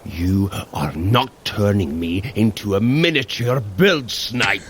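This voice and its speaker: A lively, earnest thunder god. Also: male voice, lowish voice, takes it slowly, a little hiss or hum. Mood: earnest, indignant. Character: honorable, kind-hearted, good-natured male thunder god warrior. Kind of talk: scripted audio drama acting.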